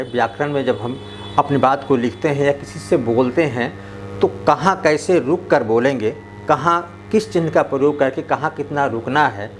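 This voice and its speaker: Guy teaching grammar, slow and deliberate, stretches out his examples, faint hum behind. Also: mid-range voice. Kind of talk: grammar lesson for parents and teachers.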